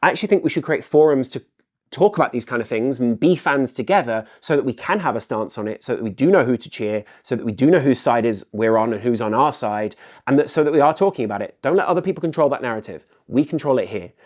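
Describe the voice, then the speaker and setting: Fast-talking middle-aged Englishman. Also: medium pitch, lively intonation, darkish tone. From England. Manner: earnest, repetitive, uses "ultimately" often. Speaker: football channel host. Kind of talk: solo video commentary.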